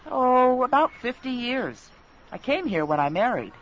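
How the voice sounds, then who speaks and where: An older woman speaking lively scripted dialogue in a language lesson. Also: fairly high pitch, measured pace. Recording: dull lo-fi recording with faint noise.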